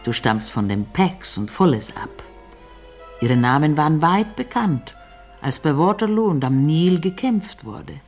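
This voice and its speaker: A proud mother in a radio play, with a low voice and expressive swings in pitch. She instructs her young son solemnly and in measured phrases. Faint music plays along. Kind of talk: German radio play acting.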